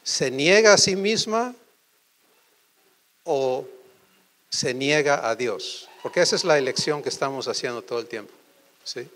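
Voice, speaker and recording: A man preaching a sermon, asking the congregation quick questions. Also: mid-range voice. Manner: animated, quizzes the audience with quick questions.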